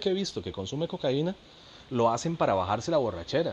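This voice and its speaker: With a Costa Rican accent, this man's voice swings very widely in pitch. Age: 30s. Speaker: comedian. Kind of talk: casual chat. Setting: home.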